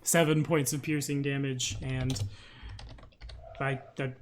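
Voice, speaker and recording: A man's voice: mid-range voice, level tone, takes it slowly. A man running a tabletop role-playing game as game master, talking casually and muttering counts and rules aloud.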